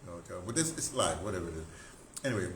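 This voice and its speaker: A man's voice: sits low, quick pace. Older American man reminiscing in echoey, noisy room. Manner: excitable, animated storyteller with broken, repetitive phrasing. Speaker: radio drama producer and talk host. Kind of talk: casual rambling reminiscence. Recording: roomy echo, clear background noise.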